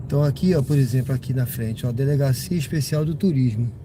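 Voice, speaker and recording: A man's voice: mid-range voice, quick pace. A Brazilian rideshare driver chatting casually to his live-stream viewers from the car, slightly congested from a cold, rambling with lots of tag questions. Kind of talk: casual live-stream chat while driving. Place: inside a car driving at night. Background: car and road noise.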